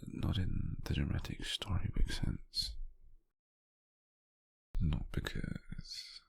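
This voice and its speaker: A British man playing a gentle, doting, teasing lover in an intimate, breathy, half-whispered ASMR roleplay, close to the microphone. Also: rumbling low, expressive, no echo, heavily acted. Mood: tender, intimate. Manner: slow, tender, softly teasing.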